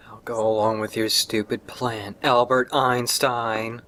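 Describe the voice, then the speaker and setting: A man's voice: on the low side, little pitch movement, unhurried, fairly bright tone. A man making dry, wisecracking remarks while co-commenting on a video game. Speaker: let's play co-commentator. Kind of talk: casual gameplay commentary.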